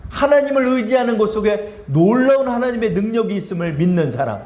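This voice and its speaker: A man's voice: sits high, animated, a little fast, a little mellow, echoey room. A man preaching a sermon as pastor. He asks and answers his own questions and acts out quoted speech in a casual tone. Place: church sanctuary.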